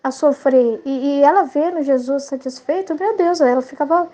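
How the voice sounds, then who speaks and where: A Brazilian woman of middle age gives a devotional reflection in a notably high voice. She talks earnestly and rambles a little, checking in with her listeners again and again as she leads a Catholic study group. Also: moderate pace, mellow. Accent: Brazilian Portuguese. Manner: earnest, rambling, frequent tag questions. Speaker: Catholic lay study leader.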